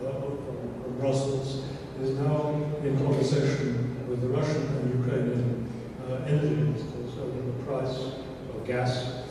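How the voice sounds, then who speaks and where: A man's voice: mid-range voice, little pitch movement, a little slow, hardly any pauses, background noise. Belgian man speaking emphatically in echoey hall. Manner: emphatic, blunt asides, frequent fillers. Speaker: panel speaker. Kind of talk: policy discussion talk. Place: large conference hall. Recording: echoey hall, picked up from far off.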